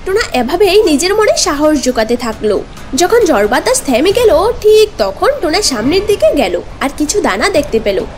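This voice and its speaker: A woman's voice: sits high, very animated, normal speed, slight background noise. A woman narrating a scripted cartoon story as the storyteller. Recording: music bed under the voice. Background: background music.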